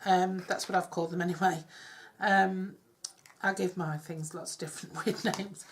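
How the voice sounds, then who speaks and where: A middle-aged woman with a cold, chatting her way through a craft demonstration with soft, self-deprecating asides. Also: fairly low pitch, fairly even intonation, moderate pace. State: congested with a cold. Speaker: craft tutorial host. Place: home craft table. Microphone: overhead camera on hands, speaker off-screen.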